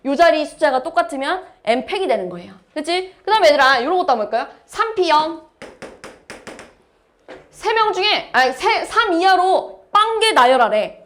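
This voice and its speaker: A woman's voice: very high-pitched, very animated, moderate pace, fairly bright tone. A woman math teacher lecturing a class, explaining step by step and asking her students questions.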